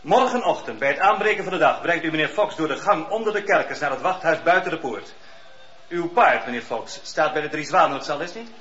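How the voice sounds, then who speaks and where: A stern chief magistrate. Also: male voice, fairly high pitch, lively intonation, a little fast, fairly bright tone. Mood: commanding. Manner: formal, commanding. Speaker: judge. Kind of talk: radio play acting. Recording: dull, echoey old radio recording.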